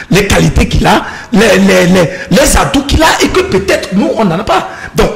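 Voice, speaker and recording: A man speaking as a panel guest, earnest and halting, with frequent hesitations. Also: high-pitched, creaky. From Togo. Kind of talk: reflective debate talk.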